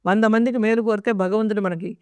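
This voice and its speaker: A woman giving a devotional discourse, explaining scripture and telling stories in an unhurried, explanatory way into a close microphone. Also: medium pitch, fairly even intonation, darkish tone, dry recording. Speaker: devotional speaker. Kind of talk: religious discourse with storytelling.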